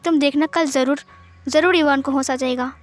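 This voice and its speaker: Woman doing a gentle, pleading young man, soothing tone, fairly high voice, storybook. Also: steady tone, fairly quick, soft background music, natural voice. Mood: tender. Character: remorseful coaxing young man.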